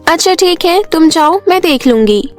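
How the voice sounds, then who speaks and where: A woman voicing a lazy, whiny, careless young village sister in an animated story. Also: very high voice, moderate pace, soft background music, pitched above the performer's own voice. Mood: dismissive.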